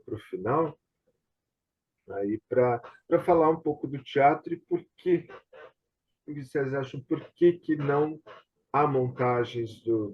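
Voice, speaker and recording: Husky male voice, Brazilian accent, conversational host, hesitant, confirmation-seeking, muffled online-call sound. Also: medium pitch. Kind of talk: casual conversation about theatre and television. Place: remote online video session.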